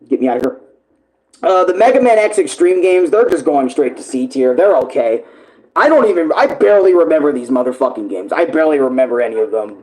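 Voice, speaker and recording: Young man, slightly high voice, hoarse, rambling, profane, casual stream chat. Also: a little mellow, low-quality recording. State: hoarse, losing his voice. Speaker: streamer ranking games. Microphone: tablet camera.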